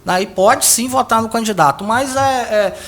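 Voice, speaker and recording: A man's voice: very high voice, unhurried, fairly bright tone. A man with a Brazilian Portuguese accent, a political analyst, explaining polling methods at length with frequent restarts. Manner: explains at length, with many restarts and tag questions. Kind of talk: explanatory interview answers.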